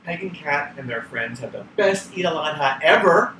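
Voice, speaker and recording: A man reading a children's story aloud in an animated, emphatic way, addressing young viewers, recorded at a distance in a roomy space. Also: a little high, moderate pace. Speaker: children's show co-creator reading a picture book aloud. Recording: roomy, distant home recording, faint noise.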